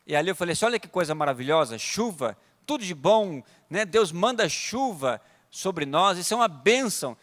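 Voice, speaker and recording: A man with a Brazilian Portuguese accent preaching in a church. His voice sits high and rings with a sharp, bright edge. It carries a long reverb through the large sanctuary. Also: big pitch swings, a little fast. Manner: storytelling preacher, swings from loud emphatic peaks to quiet asides. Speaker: pastor. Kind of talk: sermon.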